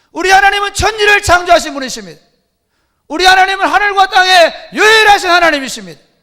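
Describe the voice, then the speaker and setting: A man acting out a fiery male temple prophet who whips up a crowd with shouted, ecstatic preaching. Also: extremely high pitch, voice pushed up.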